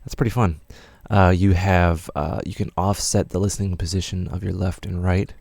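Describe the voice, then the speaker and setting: A man's voice: sits low, steady tone, moderate pace, gravelly, darkish tone, no echo. A man teaching music production in a casual, rambling tutorial with many fillers.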